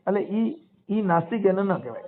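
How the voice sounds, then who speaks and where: A man's voice: high voice, animated, brisk. A man with a Saurashtra Gujarati accent explains his views emphatically on a phone call, asking rhetorical questions in colloquial speech. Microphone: telephone. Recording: muffled narrow-band phone call recording.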